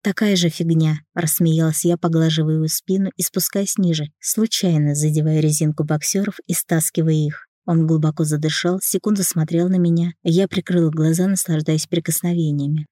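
A man's voice: a little high, steady tone, fairly quick, few pauses, warm tone, dry recording, studio quality. Man reading an intimate romance audiobook. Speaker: audiobook narrator. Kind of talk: first-person romance audiobook narration.

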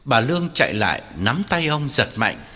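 A man's voice: medium pitch, very animated, moderate pace, bright, forceful tone, slightly rough. A man narrating a story with dramatic, widely varied delivery. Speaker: audiobook narrator. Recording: long hall reverb, faint music.

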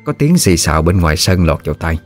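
A man tells a ghost story in a steady, unhurried manner. His voice is very low and even. Faint music runs under the narration.

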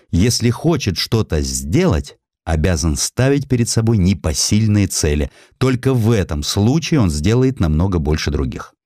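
A man reading a literary story aloud as an expressive narrator, with rhetorical phrasing and emphatic pauses. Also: lowish voice, no room sound, studio quality. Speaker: audiobook narrator, reading in the author's first person.

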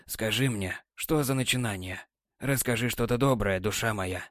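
Brief: gruff, sighing old sea captain, read by a male narrator, low and quiet. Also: normal speed, dry recording, studio quality, lightly acted. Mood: weary. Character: weary, gruff older sea captain, tender husband. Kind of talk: audiobook character voice.

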